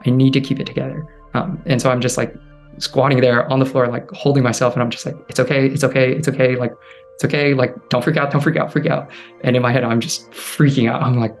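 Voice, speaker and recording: Soft-spoken man telling a hard story. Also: mid-range voice, creaky. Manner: halting, heavy use of "like", restarts; soft, drops quieter when recalling inner thoughts. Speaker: storyteller guest. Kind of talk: personal storytelling interview.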